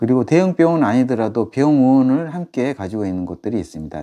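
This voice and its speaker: A man's dark, mellow voice with very wide pitch swings over a quiet background. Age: middle-aged. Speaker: doctor of Korean medicine and YouTuber; YouTuber. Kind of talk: tutorial. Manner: formal.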